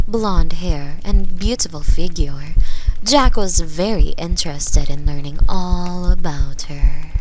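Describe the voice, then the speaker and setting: A woman reading a story in a soft ASMR narration style, gentle and measured, close on a binaural microphone. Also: on the low side, poor audio. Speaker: storyteller reading bedtime stories as sleep aid.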